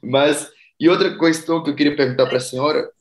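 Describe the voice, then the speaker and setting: A man's voice: a little high, fairly even intonation, brisk, background noise. A male university student talking chattily over a video call, sharing his experiences in a class discussion. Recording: roomy echo.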